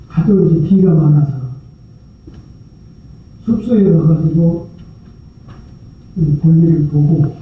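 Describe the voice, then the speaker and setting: High-voiced monk preaching in an echoey hall. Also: male voice. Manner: loose, conversational storytelling with rhetorical questions. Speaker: Buddhist monk giving a dharma talk. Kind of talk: sermon. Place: large temple prayer hall. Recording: very echoey hall, distant mic, tinny sound.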